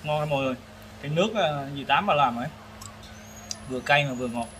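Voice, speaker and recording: A man in his thirties hosting a casual food review while eating, speaking haltingly with hesitations and repeated words. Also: a little high, animated, fairly bright tone. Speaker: food vlog host. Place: open-air casual restaurant. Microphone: camera across the table. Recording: noisy eatery ambience, traffic.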